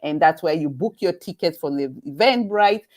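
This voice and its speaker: Halting Kenyan woman hosting live. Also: deep voice, expressive. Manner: halting, with many fillers and restarts. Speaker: event host. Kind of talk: live webinar presentation.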